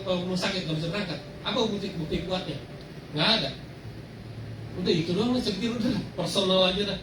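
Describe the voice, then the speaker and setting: A man with an Indonesian accent giving a casual testimony in short, colloquial, repetitive phrases. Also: high voice. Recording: echoey, noisy room, distant mic.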